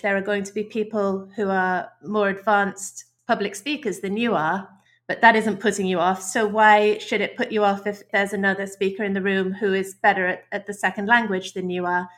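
A woman's voice: mid-range voice, fairly even intonation, a little fast, fairly bright tone. Woman guest on a podcast, chatty and thoughtful, restarts her sentences a lot. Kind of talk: podcast interview.

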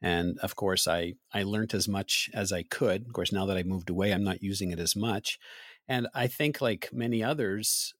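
Man, lowish voice, chatty host, dry close sound. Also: normal speed, a bit bright, no room sound. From Montreal, Canada. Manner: chatty, anecdotal. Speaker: interview host. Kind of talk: conversational interview.

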